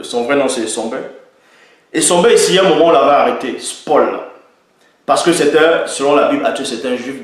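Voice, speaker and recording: A man giving an opinion monologue and citing the Bible, emphatic and repeating his points for stress. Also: mid-range voice. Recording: very echoey room.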